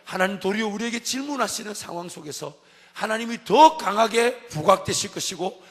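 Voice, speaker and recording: A male pastor preaching an emphatic dawn-service sermon, repeating his refrains and swinging between soft and loud passages. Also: sits high, animated, a little fast. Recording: long church hall reverb.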